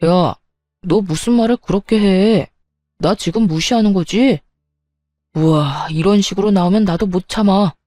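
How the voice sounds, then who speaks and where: A woman's voice: mid-range voice, measured pace, mellow, dry recording, close to an everyday voice. A woman voicing a self-righteous young husband who talks in a cold, dismissive, stubborn way. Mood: indignant.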